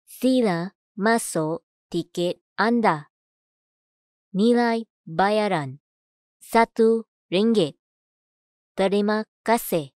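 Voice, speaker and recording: A woman reading scripted voice-over in a measured, clearly enunciated way. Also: medium pitch, a little mellow, no echo, clean studio sound. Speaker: voice-over artist. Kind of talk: scripted voice-over demo: adverts, narration, announcements.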